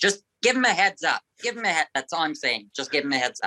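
A woman talks with an Albertan accent in a bright, sharp tone. The sound is dry and close, with no echo. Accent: Canadian (Alberta). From rural Alberta, Canada. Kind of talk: interview.

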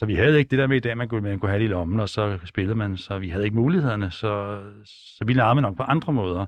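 Hardly pausing, a man with a fairly low voice speaks at a very fast pace. His pitch varies in an ordinary way. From Copenhagen, Vesterbro. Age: 50s. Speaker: author. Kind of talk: interview.

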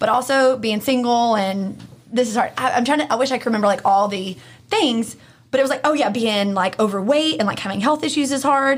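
Fairly quick female speech, high in pitch, with ordinary pitch variation. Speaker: podcast guest. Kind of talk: casual chat.

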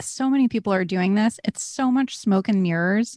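A woman with an unremarkable speaking voice talks at a moderate pace, the sound dry and close with no echo against a quiet background. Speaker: podcast influencer in recovery. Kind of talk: casual interview chat.

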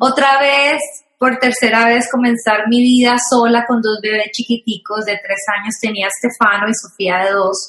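Delivered at a fairly slow pace, this is an unremarkable speaking voice with fairly even intonation. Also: woman. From Colombia, Bucaramanga. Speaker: life coach and hypnotherapist. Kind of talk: interview, personal story.

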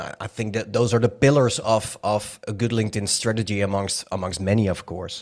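A man speaks with a Dutch accent. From Netherlands. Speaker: LinkedIn and sales consultant. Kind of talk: podcast interview.

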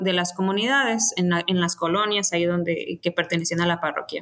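A woman is speaking. Her tone is bright and sharp. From Mexico, León, Guanajuato. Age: 30s. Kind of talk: interview testimony.

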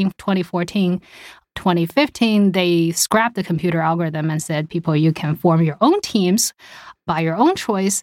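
With an American accent and an unremarkable speaking voice, a woman of fairly low pitch speaks at a moderate pace with ordinary pitch variation on a very clean, dry, close recording with no echo and a silent background. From China, then India, then US. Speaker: finance researcher. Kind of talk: interview.

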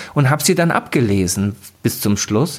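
Very wide pitch swings mark this man's speech, along with vocal fry. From eastern Germany, Leipzig. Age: 40s. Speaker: actor and performance coach. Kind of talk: casual chat. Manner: halting.

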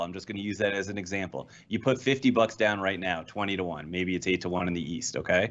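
A man speaks at a fairly quick pace with an American accent. He has a plain, everyday voice, fairly low in pitch. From Cleveland, Ohio. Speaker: sports bettor. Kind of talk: casual interview.

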